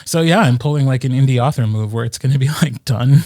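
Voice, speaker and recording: A man's voice: medium pitch, fast talker, a little mellow, no room sound, studio quality. A middle-aged man, an audiobook narrator, co-hosting a podcast in easygoing, wry casual chat. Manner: easygoing, wry, lots of fillers.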